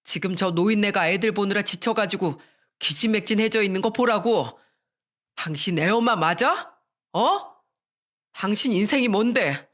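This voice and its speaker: A reader voicing a furious husband who shouts accusations at his wife in a storybook radio drama. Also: sits high.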